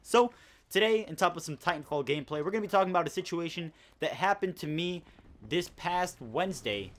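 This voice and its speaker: A man's voice: on the high side, expressive, fairly quick, fairly bright tone. Chatty teenage boy telling a story. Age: teens. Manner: chatty storyteller, indignant, rambling. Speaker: host. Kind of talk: casual gaming commentary chat.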